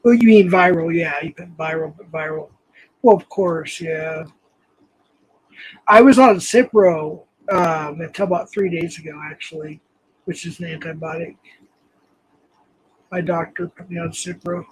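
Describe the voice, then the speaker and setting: A hoarse man with a fairly high, husky voice hosts a casual livestream from home. He rambles loosely, filling gaps with ums while he answers the chat. His voice is worn and scratchy, as if he is coming down with a cold. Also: measured pace, long pauses. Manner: rambling, reads chat aloud, frequent ums. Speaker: livestream host.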